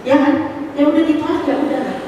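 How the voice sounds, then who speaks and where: A middle-aged woman shares a personal testimony in a church hall, her storytelling animated and peppered with casual asides. Her voice sits a little high and carries a slight cough. She sounds distant from the mic, with long reverb and a faint hum of room ambience. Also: fast, dull audio. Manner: animated storytelling, rising to exclamations; mixes in casual slang and english words. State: has a cough. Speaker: testimony speaker at a church fellowship. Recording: echoey hall, voice from far off.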